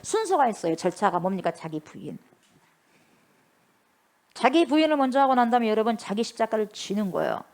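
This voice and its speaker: A woman's voice: fairly high pitch, a little fast, long pauses. Woman pastor preaching animatedly. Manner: animated storytelling, acting out quoted dialogue; often addresses the congregation directly. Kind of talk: sermon.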